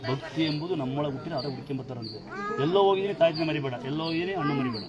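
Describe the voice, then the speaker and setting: Brisk man blessing devotees amid a crowd. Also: on the high side. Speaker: temple elder blessing devotees. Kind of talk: devotional conversation with visitors. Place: busy temple shrine. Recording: loud crowd chatter behind.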